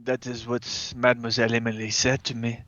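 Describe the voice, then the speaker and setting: A man's voice: medium pitch, little pitch movement, brisk, fairly bright tone, no echo, dull audio, lightly acted. A man voicing a proud, formal plant creature who speaks stiffly with French words sprinkled in, during a tabletop game. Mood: measured, courteous.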